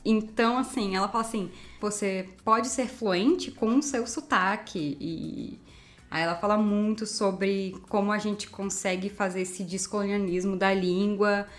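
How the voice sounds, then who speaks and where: A woman's voice: medium pitch, steady tone, unhurried. A woman with a Brazilian Portuguese accent co-hosting a podcast, speaking earnestly and with emphasis. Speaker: podcast co-host. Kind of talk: casual chat.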